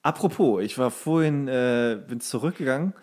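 A man's voice: mid-range voice, lively intonation, normal speed, a little mellow. A young man chatting casually as a podcast co-host, joking around and asking questions. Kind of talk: casual chat.

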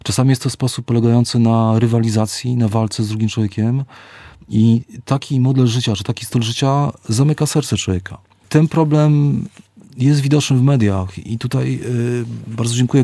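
A middle-aged man, an author and psychologist, giving reflective, measured interview answers and slowing down to stress key words. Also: mid-range voice, dark tone, no echo.

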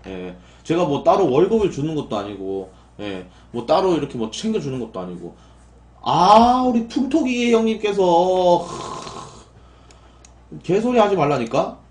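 Lively young Korean man streaming in an echoey room. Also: on the high side, normal speed. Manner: talks back to chat, rising into exasperated outbursts. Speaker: live streamer. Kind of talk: casual live-stream chat.

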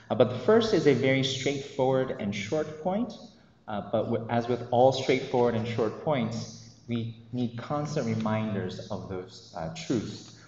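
A man in his thirties giving a commencement speech as a teacher at a podium mic in a large hall, hesitant and nervous with many ums. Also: medium pitch. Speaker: commencement speaker, math teacher. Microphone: podium microphone. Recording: echoey hall, dull lo-fi sound.

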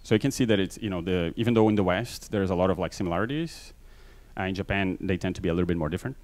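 A middle-aged man from Brazil with a mixed Brazilian accent gives a casual conference talk on a stage with a handheld mic, quick and full of fillers. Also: low voice, a little mellow. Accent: Brazilian Portuguese mixed. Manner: fast, filler-heavy, self-deprecating. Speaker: conference speaker. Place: large conference hall stage.

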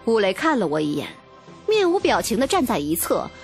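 A woman's voice: medium pitch, huge pitch swings, brisk, faint music behind. A woman narrating a novel in a dramatic, scripted first-person storytelling style. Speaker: audiobook narrator.

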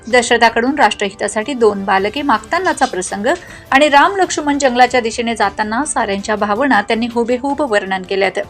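A woman reading a scripted news voice-over in a formal, measured way. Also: fairly high pitch. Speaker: news reporter.

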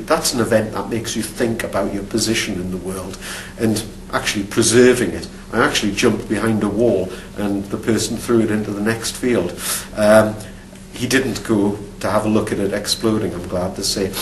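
A middle-aged Geordie archaeology professor from Newcastle upon Tyne, England, answers interview questions about his field thoughtfully, pausing and making many restarts and repeated words. His lowish voice keeps fairly even intonation. Recorded in a studio with a dark backdrop by a distant mic, the sound is roomy with a faint hum.

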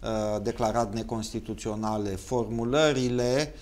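A man's voice: fairly low pitch, fairly even intonation, a little mellow. A man with a Romanian accent hosting a formal political interview, asking polite, probing questions and playing devil's advocate. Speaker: talk show host.

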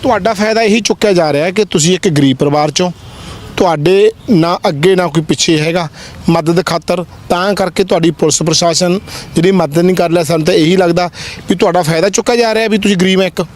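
A man's voice: sits high, fast talker, a little hiss or hum. A man interviewing as a news reporter, asking probing questions. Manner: probing, lots of hums.

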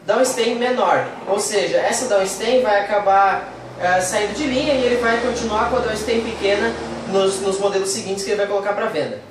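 A man's voice: high voice, fairly quick. A Brazilian Portuguese-accented man co-hosting a review, explaining details carefully with small restarts while talking around a hookah mouthpiece in his mouth. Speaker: co-host product reviewer. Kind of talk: casual review chat. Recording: echoey room, mic far off, noisy.

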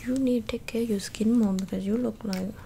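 A woman's voice: fairly high pitch, steady tone, brisk, vocal fry, dark tone, slight background noise. Woman doing a whispering, bossy Asian-accented makeup doctor. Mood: boastful. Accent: put-on Asian. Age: young adult. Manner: blunt, broken-English, repetitive. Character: bossy, blunt, boastful female makeup doctor. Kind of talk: whispered role-play. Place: small bedroom indoors. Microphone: close desktop microphone with foam cover.

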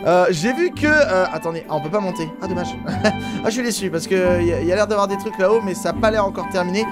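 A man with a French accent giving casual let's-play commentary, chatty and excitable, thinking aloud with lots of fillers. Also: sits high, quick pace, music in the background. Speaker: gaming YouTuber.

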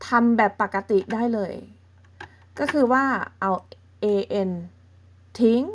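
There's slight background noise as a woman with a fairly high voice gives a beginner language lesson. Patient and slow, she walks through each step and frequently checks in with listeners, softening her questions with particles.

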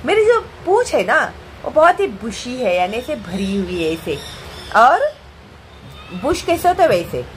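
A young adult woman, teaching a children's English lesson in a lively, coaxing way, reading riddles slowly and then explaining them. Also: fairly high pitch, slight background noise.

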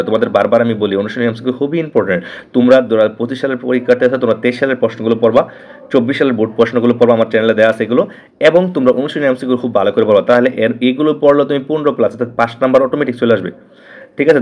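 Bangladeshi Bengali male teacher, rapid exam-prep delivery, repeats key answers, talks straight to students, close mic. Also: medium pitch, darkish tone. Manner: repeats answers and stresses importance, addresses students directly. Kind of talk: online exam-prep lesson.

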